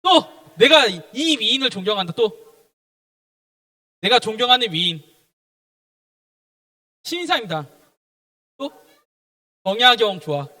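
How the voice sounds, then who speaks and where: A young man preaches to children, firing question after question at them. His voice sits very high and bright, and it leaps around as he speaks. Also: unhurried, pauses often. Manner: animated, quizzes the children with questions. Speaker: junior pastor at a children's service. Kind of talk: children's sermon.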